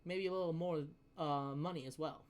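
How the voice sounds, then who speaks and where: A young adult man telling a story in a casual rant, profane and emphatic, often halting and repeating his words. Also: fairly high pitch, fairly even intonation.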